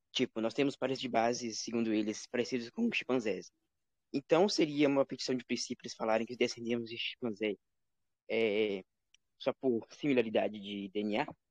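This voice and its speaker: The sound is dry and close, with no echo. A man talks at a medium pitch with fairly even intonation. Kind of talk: casual discussion. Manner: fast.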